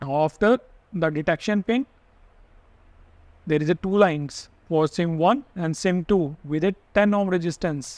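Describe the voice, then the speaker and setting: In a dry, close sound with no echo, a man with a high pitch speaks fairly slowly with ordinary pitch variation and long, frequent pauses. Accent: non-native. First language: not English. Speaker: electronics repair tutor. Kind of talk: tutorial.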